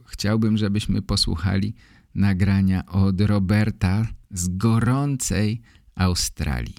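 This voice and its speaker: A middle-aged man hosting a podcast for language learners, speaking as a teacher in deliberate, short, separated phrases. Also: fairly low pitch, darkish tone, no room sound, clean studio sound.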